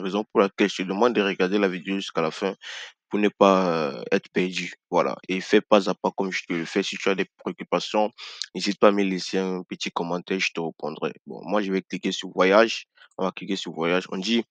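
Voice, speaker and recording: A man hosting a casual screen-share tutorial, chatty, repeating himself and filling pauses with hesitations. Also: deep voice, no room sound. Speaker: channel host giving a tutorial.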